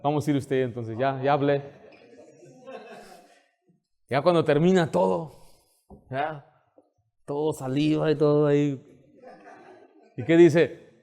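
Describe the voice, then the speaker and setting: A man's voice: a little high, takes it slowly, vocal fry, pauses often. A male pastor preaching a sermon in a church, acting out scenes with sound effects, then leading an altar call and prayer. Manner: animated storytelling, acts out scenes with sound effects. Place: church sanctuary.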